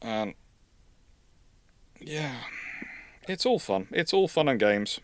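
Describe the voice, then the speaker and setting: A man's voice: mid-range voice, big pitch swings, slow pace, a little hiss or hum. A British man hosting a casual history question-and-answer stream, rambling and often stammering and repeating words as he explains. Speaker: livestream host.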